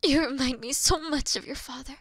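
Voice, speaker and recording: A woman playing a weary, noble and gentle demon queen in a fantasy audio roleplay, speaking earnestly in a breathy, hushed way. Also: high voice, no echo, clean studio sound. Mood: tender, uncertain. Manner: solemn, slow, earnest, breathy hushed delivery.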